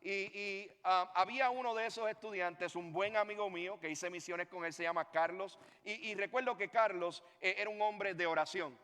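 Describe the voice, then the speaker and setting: A man, a pastor preaching a sermon and telling a story with lively swings in his voice. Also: high voice, moderate pace, few pauses, clear, resonant tone, in a large hall. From Puerto Rico.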